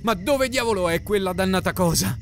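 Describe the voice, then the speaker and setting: A man voicing a gruff, middle-aged bearded man in an audiobook, swearing and giving unsteady orders. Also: high voice, fairly quick, a bit bright, faint music behind, voice pushed up. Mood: furious.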